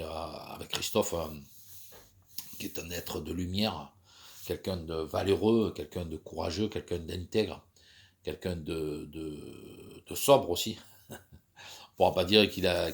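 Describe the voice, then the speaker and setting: A man in his fifties with a cold, talking in a rambling, hesitant monologue full of fillers and restarts. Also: low-pitched. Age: 50s. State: stuffy from a cold. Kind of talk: personal monologue.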